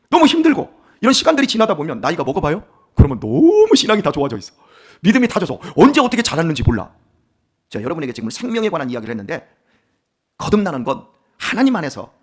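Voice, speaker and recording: A man's voice: high voice, slightly rough. A middle-aged male pastor giving a dawn sermon, teasing and questioning the congregation in a conversational way.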